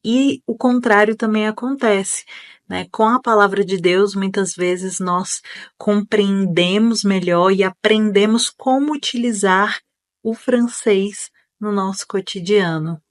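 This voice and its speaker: A Brazilian woman gives a calm, measured testimonial as a student. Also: medium pitch.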